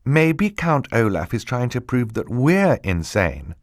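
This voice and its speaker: A man's voice: medium pitch, sing-song, takes it slowly, no room sound, clean studio sound, pitched above the performer's own voice. A man voicing a clever, worried teenage girl in an audiobook, speaking earnestly and uncertainly. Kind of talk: audiobook character voice.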